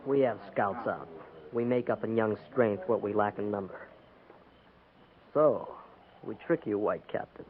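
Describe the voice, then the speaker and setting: An actor playing a proud, defiant young Native American band leader in a 1950s radio western, speaking solemn, stilted English. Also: male voice, on the low side, unhurried, long pauses, lightly acted. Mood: proud, boastful. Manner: terse, solemn, stilted broken English, declamatory. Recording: noisy, narrow-band 1950s radio recording.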